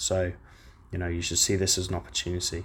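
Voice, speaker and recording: Over a silent background in a very clean recording, a man with a very deep, low pitch speaks in a flat monotone that is somewhat breathy. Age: 30s. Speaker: dating coach. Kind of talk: casual monologue. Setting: outdoors on a balcony.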